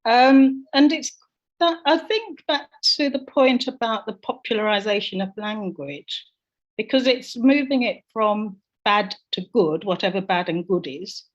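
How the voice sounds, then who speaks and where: A woman's voice: mid-range voice, lo-fi sound. Woman reflecting over a video call. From London, England. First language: Jamaican. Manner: reflective, personal storytelling. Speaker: panelist. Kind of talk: online panel discussion.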